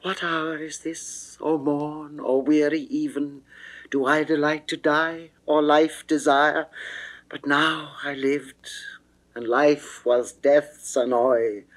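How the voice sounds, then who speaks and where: A man's voice: fairly high pitch, level tone, takes it slowly, fairly bright tone, voice pushed up. A man performing an amorous, pleading goddess in dramatic classical verse, theatrical and declamatory. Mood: swooning anguish. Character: amorous, pleading goddess Venus, grand and lovesick.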